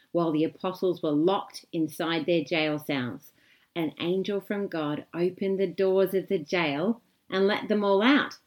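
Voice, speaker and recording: A woman's voice: fairly low pitch, dull audio. A woman hosting and telling a short Bible story for children in an upbeat, enthusiastic way. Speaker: host.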